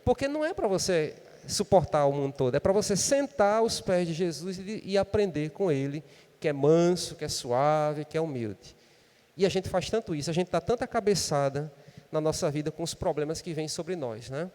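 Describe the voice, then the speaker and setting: A man's voice: fairly high pitch, animated, normal speed, a little mellow, long reverb tail. A man with a Brazilian Portuguese accent preaching a sermon in a conversational way, often tagging his sentences with a questioning "né?". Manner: conversational preaching with frequent "né?" tags. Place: church.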